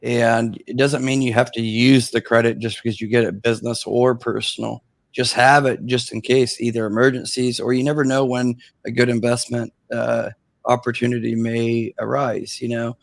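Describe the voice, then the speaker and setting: A man's voice: mid-range voice, little pitch movement, normal speed, gravelly, no echo. A man hosting a livestream in a laid-back, rambling way, leaning on "you know" as he talks. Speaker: livestream host. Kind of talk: casual livestream chat.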